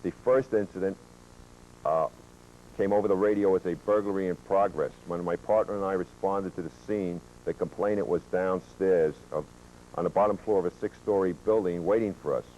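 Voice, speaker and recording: Low, mellow man on worn VHS tape. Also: dull audio. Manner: measured, reads out statistics with occasional fillers. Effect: worn VHS tape copy with hum. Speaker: police officer presenting research. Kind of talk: training lecture presentation.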